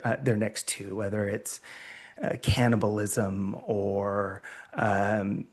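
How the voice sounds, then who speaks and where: Low-voiced man explaining game design. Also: a little mellow. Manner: explanatory, methodical. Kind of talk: convention panel talk.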